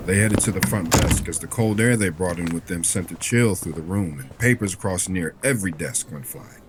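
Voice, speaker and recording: A man's voice: low-pitched, a little fast, slight background noise, lightly acted. A man giving scripted first-person narration for an audio drama.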